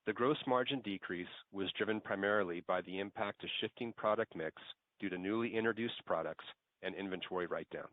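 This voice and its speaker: A man with a low voice delivers scripted financial results. His reading is formal and measured, like a prepared executive report. The sound is narrow and phone-like, with no room around it. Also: dry recording. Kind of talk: scripted earnings call presentation. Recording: tinny phone-line audio, very dry.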